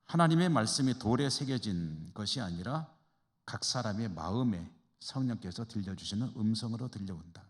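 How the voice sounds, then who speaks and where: A man's voice: fairly low pitch, lively intonation, normal speed. A man, a pastor from the Chungcheong region, teaching a church Bible study in a conversational way and asking the class rhetorical questions. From Chungcheong, Korea. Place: church hall. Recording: reverberant church hall.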